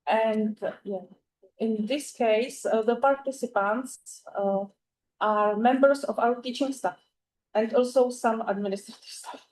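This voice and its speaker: A woman with a Czech accent, a native Czech speaker, giving an academic conference talk in English, with many "uh" pauses and careful phrasing. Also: on the high side, darkish tone, rough recording. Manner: frequent "uh" fillers, careful non-native phrasing. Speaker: conference presenter.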